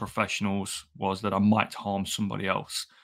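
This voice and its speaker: With a British accent, a man speaks at fairly low pitch in a very clean recording with a silent background. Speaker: fitness coach podcast host. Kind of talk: solo podcast telling personal story. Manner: fast-thinking, sometimes halting, emotional.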